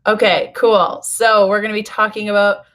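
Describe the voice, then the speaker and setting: Woman, hoarse and raspy, medium pitch, fairly flat intonation, informal livestream host, chatty direct address. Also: normal speed. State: hoarse, recovering from voice loss. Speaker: nutrition author hosting a livestream. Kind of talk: casual live vlog chat to viewers. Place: hotel room.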